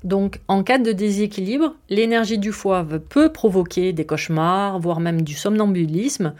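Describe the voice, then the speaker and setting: A woman's voice: medium pitch, unhurried, a little mellow. Chatty woman hosting a teaching podcast. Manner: friendly and conversational, with frequent filler words. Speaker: podcast host. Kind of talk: explanatory podcast monologue.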